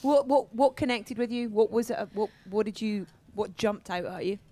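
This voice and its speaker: Mellow-voiced female interviewer. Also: mid-range voice, moderate pace. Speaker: interview host.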